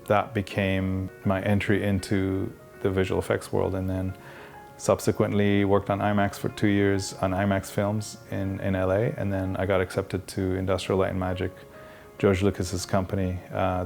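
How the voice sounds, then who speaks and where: A man in his fifties from Iran tells his story in a documentary interview. His voice is very deep with a gravelly edge and stays fairly level in tone. He speaks in a reflective, unhurried way with small restarts, while soft guitar music plays behind him. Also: monotone. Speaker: visual effects artist.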